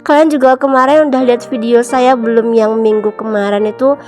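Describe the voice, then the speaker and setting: Faint music plays under the voice-over as this thirtysomething mom, slightly nasal with a cold, talks her cleaning-vlog viewers through her home, calling them moms and friends. Her pitch is fairly high and her tone steady, and she speaks a little fast.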